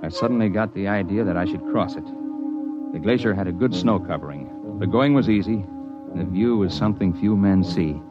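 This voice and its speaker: A man narrating a mountain adventure in the first person, steady and matter-of-fact, in an old radio drama style. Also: low-pitched, fairly quick, close to an everyday voice. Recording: lo-fi old radio broadcast with music.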